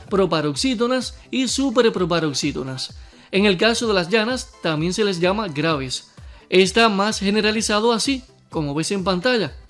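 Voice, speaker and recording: A man with a high, light voice gives a scripted spelling lesson. He talks straight to the viewer, clearly and deliberately, and slows down to spell out each example word. Soft music plays faintly underneath. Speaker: teacher.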